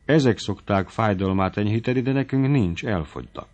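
A man's voice: lowish voice, a little mellow, lightly acted. A man voicing a frightened, shivering poor teenage boy who speaks plaintively. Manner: whimpering, plaintive. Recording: dull lo-fi audiobook recording.

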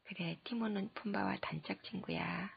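A woman reading the lines of a gentle, patient young father in soft, half-whispered answers, on a dull lo-fi recording. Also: fairly low pitch, big pitch swings, moderate pace, gravelly, slightly rough, exaggerated voice. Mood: tender.

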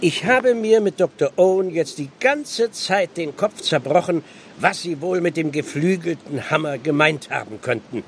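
A man's voice: a little high, lively intonation, normal speed, slight background noise. An actor playing a puzzled, out-of-his-depth village policeman in a radio play, deferential and befuddled. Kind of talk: German radio play acting.

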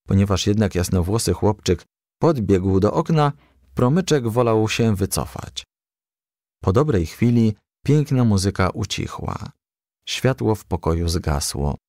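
Lively male storyteller reading a children's tale. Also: lowish voice, measured pace, no room sound, clean studio sound. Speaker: narrator. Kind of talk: scripted storybook narration.

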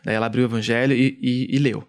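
A man from Brazil, a podcast guest, casually telling a personal story in an animated way, repeating words. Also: medium pitch, quick pace. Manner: animated, frequent fillers and self-repeats.

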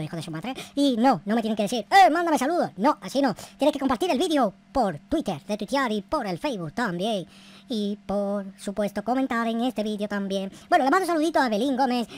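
High-pitched, animated gamer woman. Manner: theatrical, exclamatory, slangy and profane. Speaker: gaming video creator and host. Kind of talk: excitable Minecraft roleplay commentary.

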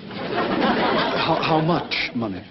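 Brief: hammy con-man movie actor, high and swooping, theatrical, 1960s sitcom with a loud laugh track. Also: huge pitch swings, extremely slow, over a noisy crowd, heavily acted. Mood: sly. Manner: glib, theatrical, hammy enthusiasm. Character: smooth, scheming con-man Hollywood actor. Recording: dull 1960s TV audio with laugh track and hiss.

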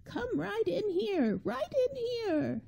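An actress playing an eccentric little old aunt in a radio play, with a quavering voice, repeating herself abruptly. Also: female voice, very high-pitched, sing-song, slow, creaky, warm tone, heavily acted. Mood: eerily welcoming.

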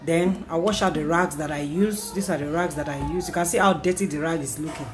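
Speaking low and briskly, this thirty-something vlogger and mother with a Nigerian accent talks casually to her camera on a tripod in a small indoor kitchen. She's chatty, says things more than once, and throws in playful bits of praise for herself. The home recording has a lot of noise.

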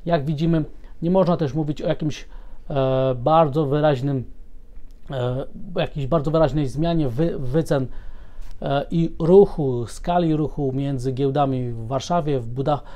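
A man talks viewers through the markets in a steady, explanatory commentary. His voice sits a little high for a man but sounds mellow and dark. He hesitates now and then with filler sounds and restarts his phrases. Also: a little slow. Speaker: market analyst presenting a commentary.

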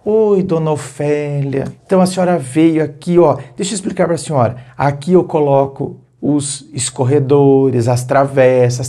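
A man voicing a polite, flustered wife with a Brazilian accent, gently explaining things to her mother-in-law. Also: on the high side, close to an everyday voice.

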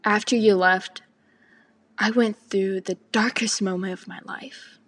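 A teenage girl slowly reciting a spoken word poem, often half-whispered. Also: mid-range voice, fairly even intonation, fairly bright tone, husky. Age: teens. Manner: slow and deliberate, partly whispered.

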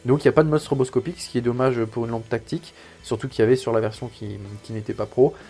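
This channel host is unboxing gear for a sponsored vlog, talking fast in a dark-toned, medium-pitched voice with fairly even intonation. He's chatty and joking, explains each step, and leans on lots of fillers.

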